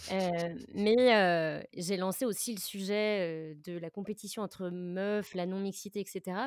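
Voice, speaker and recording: This woman has a normal speaking voice with a medium pitch and ordinary pitch variation, heard in a very clean recording with a silent background and a dry, close sound with no echo. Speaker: podcast host. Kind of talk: casual chat.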